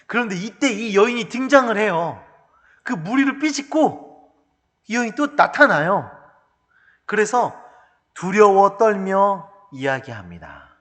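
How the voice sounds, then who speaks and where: A male pastor preaching a sermon in an animated, humorous storytelling manner, recorded in a church hall. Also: sits high, measured pace, pauses often.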